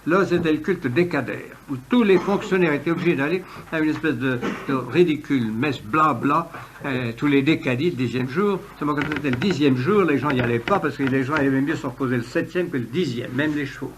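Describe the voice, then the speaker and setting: A man giving a history lecture in an oratorical, emphatic way, with pointed pauses and ironic asides. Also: fairly high pitch. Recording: noisy old lecture recording with clicks.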